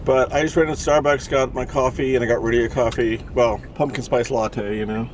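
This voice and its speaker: Speaking a little fast at a medium pitch with fairly even intonation, this man in his forties is a first grade teacher vlogging to camera. His chat is casual and rambling, full of fillers, and his voice sounds congested. The setting shifts from a classroom to the inside of a car, with faint road noise in the background.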